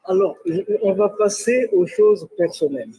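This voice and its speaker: A man interviewing someone, asking questions in an unhurried, prompting way. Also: sits high, lively intonation, warm tone, slightly rough, poor audio.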